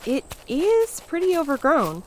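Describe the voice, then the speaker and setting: A woman's voice: high-pitched, wildly swooping pitch, measured pace, darkish tone, a little hiss or hum, heavily acted, poor audio. A woman acting a playful, adventurous character in a naturalistic audio drama, wry, teasing and unbothered. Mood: teasing, eager.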